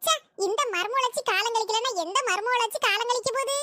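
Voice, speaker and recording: Brief: woman doing a shrill, fast-talking gossipy village housewife in a cartoon. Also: heavy background noise. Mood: chatty. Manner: quick, exclaiming village gossip. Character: gossip-loving housewife, idle and fussy. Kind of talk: cartoon comedy voice acting.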